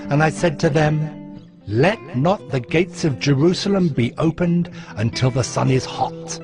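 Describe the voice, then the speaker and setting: A man playing a steadfast, devout ancient governor, narrating his memoir of scripture in a solemn, measured way. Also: mid-range voice, lightly acted. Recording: music behind the voice.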